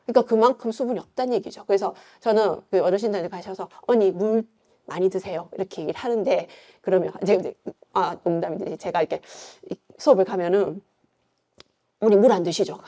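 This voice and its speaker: Chatty woman lecturer, mellow voice. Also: mid-range voice, brisk. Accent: Gyeongsang. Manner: chatty, conversational, frequent fillers and rhetorical questions. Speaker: yoga instructor lecturing. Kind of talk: informal lecture.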